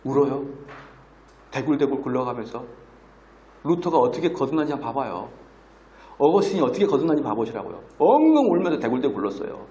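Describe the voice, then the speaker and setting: Animated preaching man, roomy hall. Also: medium pitch, quick pace, pauses often, dull audio. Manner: animated and scolding, acts out quoted people; humorous asides with laughter. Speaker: pastor lecturing at a conference. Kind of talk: lecture-style sermon.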